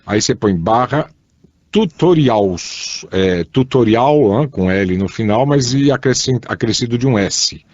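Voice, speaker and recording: A man co-hosting a casual radio chat show, slowly spelling things out and telling light jokes. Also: mid-range voice, expressive, a little mellow, no room sound. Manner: slow, careful spelling out of web addresses, joking. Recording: dull, dry studio sound.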